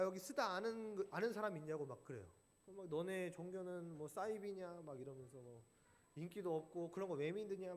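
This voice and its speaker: A young adult male pastor with a high voice preaches a sermon in a church sanctuary, recorded with church hall reverb. He tells a story from his own life and acts out the voices of the other people in it.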